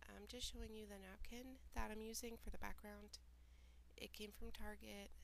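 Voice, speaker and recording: A woman with a stuffy, nasal cold, calmly talking through the steps of a craft tutorial in a voiceover. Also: mid-range voice, normal speed, creaky, slight background noise. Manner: relaxed, plain step-by-step explaining with small asides. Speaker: mixed media artist. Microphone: home voiceover recording.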